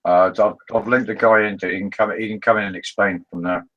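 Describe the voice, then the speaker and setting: A man's voice: lowish voice, fairly even intonation, fast, muffled recording. A man chatting casually as a co-host on a livestream. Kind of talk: casual chat.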